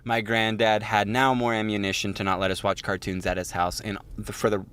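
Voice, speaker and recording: A man's voice: fairly low pitch, flat delivery, fairly quick, a bit bright, clean tone. A young man co-hosting a podcast, telling stories casually in a self-mocking, digressive way with some swearing. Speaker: podcast co-host. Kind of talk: casual chat, rambling storytelling.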